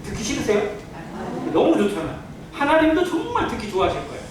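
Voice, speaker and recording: A male pastor preaches with a high, widely swinging voice. He explains earnestly and poses questions to his listeners. The sound is heavily reverberant, as if picked up from a distance in a church. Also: huge pitch swings, quick pace, crowd noise. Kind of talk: Sunday church sermon. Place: indoor church sanctuary. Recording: very echoey church hall, distant mic, faint noise.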